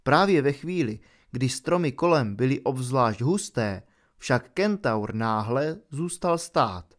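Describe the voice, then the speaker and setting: A man narrating an audiobook in a steady, measured way. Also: medium pitch.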